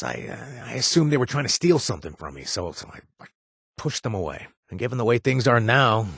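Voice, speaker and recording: An actor voicing a gentle, awkward ex-raider companion in a video game, talking haltingly with many fillers and restarts. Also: male voice, on the low side, husky, no room sound, clean studio sound, full character voice. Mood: somber. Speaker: companion character.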